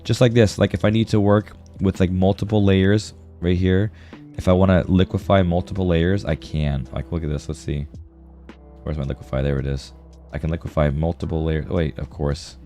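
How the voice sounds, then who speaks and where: A man with a low voice, stuffed up from a sore throat, chats casually on a livestream as he draws. He talks to viewers in a friendly, slangy way. Music plays behind him. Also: fairly even intonation, normal speed, warm tone. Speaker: art livestreamer. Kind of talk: casual livestream chat while drawing.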